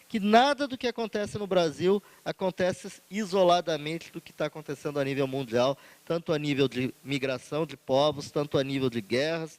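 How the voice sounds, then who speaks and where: A man's voice: a little high, a little mellow, dry recording. A man with a Brazilian Portuguese accent giving a formal conference speech as a union leader, earnest and emphatic, building rhetorical lists.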